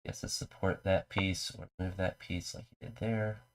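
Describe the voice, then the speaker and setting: A man with a mild cold and a stuffy, congested voice casually talks through his chess moves on a live stream. He keeps a moderate pace with little pitch variation, staying low-key throughout.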